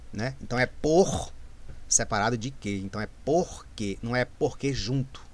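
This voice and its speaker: A man walks through exam answers in a patient, explanatory way. His voice sits at a middle pitch. He often repeats phrases and corrects his own slips as he goes. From Brazil. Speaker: Portuguese exam tutor.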